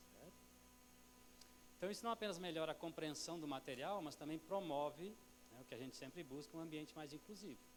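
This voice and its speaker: The voice is soft-spoken. Its intonation is lively. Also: man. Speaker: university professor on a panel. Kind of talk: panel presentation.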